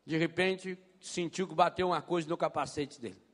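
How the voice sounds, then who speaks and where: A priest preaching a sermon, telling stories in an animated way and mimicking voices. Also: male voice, fairly high pitch, moderate pace. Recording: long hall reverb.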